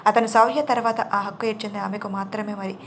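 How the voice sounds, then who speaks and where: Woman storyteller, even narration, middle pitch, faint hiss. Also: quick pace.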